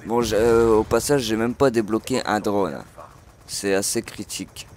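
A man hosting a gaming channel, giving live commentary on his own match with frequent excited outbursts and swearing. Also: lowish voice, moderate pace, slight background noise.

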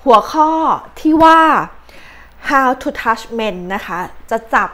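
A woman's voice: sits high, very slow, fairly bright tone. A young Thai woman hosting her own advice vlog, chatting casually with many fillers and polite particles. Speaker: channel host, astrology and advice vlogger. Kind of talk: casual chatty explainer, translating tips.

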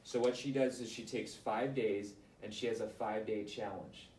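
A man coaching aspiring authors in front of a live audience, firing off quick advice and rhetorical questions. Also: on the low side, slight background noise. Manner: energetic, rapid-fire advice with rhetorical questions. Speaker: book coach. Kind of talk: live group coaching session. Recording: roomy, distant mic, faint ambience.

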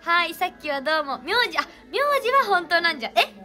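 Bright high-voiced young woman. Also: expressive, quick pace. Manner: chatty, thanks fans by name. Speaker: idol reading fan names. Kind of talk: casual livestream chat.

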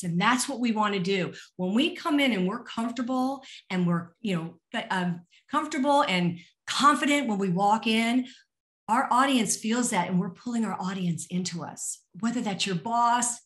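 A woman's voice: medium pitch, fairly bright tone. A middle-aged woman presenting an online webinar as a career coach, conversational and encouraging, speaking directly to her listeners. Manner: encouraging, addresses listeners directly with rhetorical questions. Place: small indoor room, online webinar. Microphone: video call.

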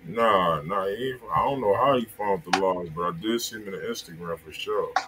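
A man's voice: deep voice, fairly quick, background noise. An American man chatting casually and in slang as host of a music review livestream, often repeating himself.

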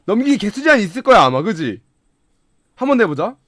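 A man with a very high, lively voice, recorded close and dry with no room sound. He streams a game, talking casually and excitably, swinging from quiet mumbling to loud shouts and laughter. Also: quick pace, dry recording. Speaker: gaming streamer.

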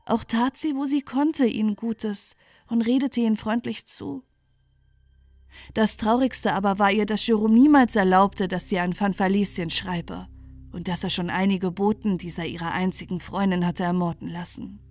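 Calm woman reading a bedtime fairy tale. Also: mid-range voice, moderate pace. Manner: calm, gentle, soothing. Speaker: storyteller.

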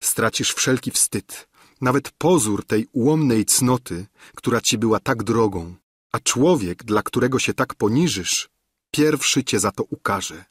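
A man reading aloud the impassioned, pleading lines of a despairing young woman in love, in a husky voice. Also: mid-range voice, animated, measured pace, no room sound, studio quality. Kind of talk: audiobook reading of a classic novel.

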